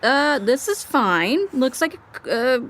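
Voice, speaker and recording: Stressed, higher-voiced, flustered woman writer. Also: big pitch swings, takes it slowly, fairly bright tone, full character voice. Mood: flustered, hurried. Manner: flustered, sarcastic, stammering. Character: stressed, anxious, rushed woman writer with dry sarcasm. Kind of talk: naturalistic audio drama dialogue. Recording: faint noise and ambience behind.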